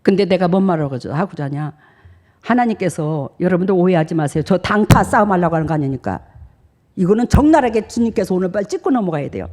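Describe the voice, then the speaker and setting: A woman's voice: fairly low pitch, expressive, fast, darkish tone. A woman pastor, preaching a sermon in a chatty storytelling way. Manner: chatty storytelling, acts out dialogues.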